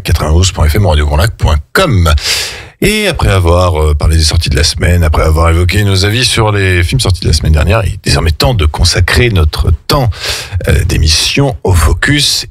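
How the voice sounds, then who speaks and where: A man hosting a radio film show, chatting casually with many hesitations. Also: low-pitched. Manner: relaxed, hesitant with many fillers.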